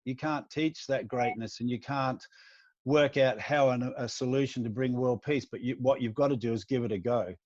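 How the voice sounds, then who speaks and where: A man's voice: medium pitch, normal speed, a little mellow, no echo. A man co-hosting an interview, retelling stories in a rambling way with frequent restarts. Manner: rambling storyteller with many restarts. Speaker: podcast co-host. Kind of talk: casual interview talk. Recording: dull lo-fi dry sound.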